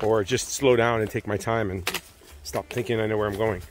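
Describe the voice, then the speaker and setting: Dry, echo-free sound with faint background music. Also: man. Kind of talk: casual vlog chat. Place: forest. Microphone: earbuds.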